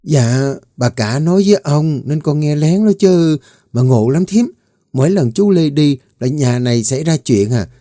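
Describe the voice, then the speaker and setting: Man doing a teasing young maid, high bubbly voice, mellow, dry close sound. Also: lively intonation, normal speed, no room sound, close to an everyday voice. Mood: chatty.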